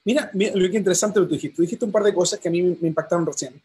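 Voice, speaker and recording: A man with a high, husky voice conducts an interview, asking questions with many fillers. He sounds encouraging and friendly. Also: racing, mellow.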